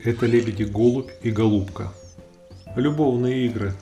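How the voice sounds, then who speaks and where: A man giving a calm, explanatory nature commentary. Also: mid-range voice, normal speed. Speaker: narrator of a nature video. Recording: roomy echo, faint music behind.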